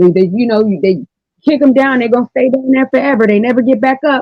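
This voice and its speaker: Her pitch is high for a woman. She speaks with ordinary pitch variation. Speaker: panelist in a live group chat stream. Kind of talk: opinionated monologue in group discussion. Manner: boisterous.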